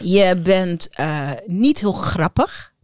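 A woman's voice with a dry sound and no echo. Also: quiet background. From Netherlands. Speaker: entrepreneur and former TV presenter; TV presenter. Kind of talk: podcast interview. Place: studio. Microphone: studio mic.

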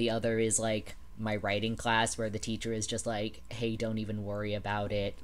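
The pace is moderate. Intonation stays monotone and flat. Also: man, fairly low pitch for a man, very even loudness. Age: young. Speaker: college student, guest; guest. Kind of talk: casual chat. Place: home room. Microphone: webcam.

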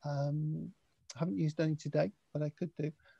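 A man talks at a fairly slow pace with a dark, mellow tone. The sound is dry with no echo, and the background is quiet. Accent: British. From UK. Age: 60s. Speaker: public speaking coach. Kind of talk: lecture. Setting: video call. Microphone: video call.

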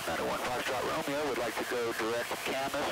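A man speaks over background music, the sound dry with no echo. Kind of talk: radio phraseology to air traffic control. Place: plane. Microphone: headset.

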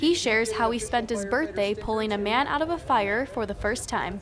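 With music playing behind her, a woman talks at a moderate pace in a fairly high voice with ordinary pitch variation. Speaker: TV news reporter and anchor. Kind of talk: TV news package voice-over.

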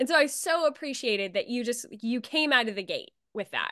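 Against a quiet background, a woman uses a raised, projected voice with a bright, sharp tone, high pitch and very wide pitch swings, the sound dry with no echo. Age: 40s. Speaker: podcast host. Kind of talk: interview. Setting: video call. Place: home room. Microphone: earbuds.

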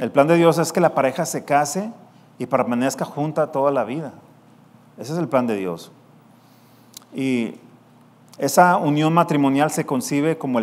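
A fairly high-pitched man at a moderate pace, with ordinary pitch variation and long, frequent pauses. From Mexico. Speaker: preacher. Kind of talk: sermon. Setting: church. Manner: halting, many fillers. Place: church. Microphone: lapel.

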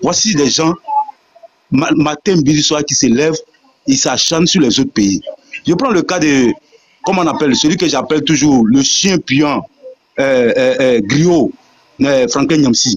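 At a fairly slow pace with long, frequent pauses, a man speaks at a fairly high pitch, with ordinary pitch variation and very even loudness. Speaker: debate participant. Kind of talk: heated debate. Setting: online live stream. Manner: animated.

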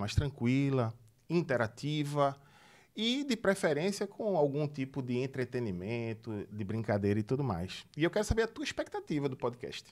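With lively intonation, a man speaks at a moderate pace and a fairly high pitch. The background is quiet. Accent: Pernambuco. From Recife, Pernambuco, Brazil. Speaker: podcast co-host, traffic educator. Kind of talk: casual podcast chat. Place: studio. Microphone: studio mic.

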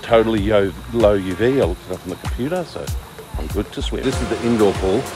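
Clear music plays in the background. Over it, a man speaks at a fairly quick pace. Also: dry sound with no echo. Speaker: pool visitor vlogger. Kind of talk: casual vlog chat. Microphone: phone near.

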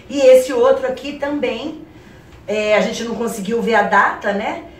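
A woman's high-pitched voice at a fairly slow pace, with ordinary pitch variation and audible room echo. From Brazil. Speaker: TV presenter. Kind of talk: interview host. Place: home room.

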